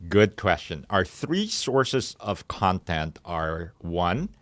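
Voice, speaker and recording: Very deep-voiced man listing points. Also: very animated, takes it slowly, a bit bright, no room sound. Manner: step-by-step, enumerating points. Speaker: podcast guest, media entrepreneur. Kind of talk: conversational product explanation. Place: recording studio.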